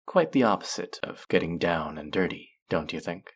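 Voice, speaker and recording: Voicing a male faerie trickster for an intimate audio drama, this man uses a deep, gravelly tone with big leaps in pitch and an expressive, exaggerated style. He taunts with smug, playful sternness, lingering on words as he teases and scolds in sultry mock reproach, clearly holding the upper hand.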